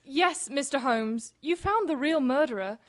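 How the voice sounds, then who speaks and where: A woman's voice: high-pitched, animated, measured pace. A woman playing an earnest young lady who pleads formally for help in an old-time radio drama. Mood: pleading.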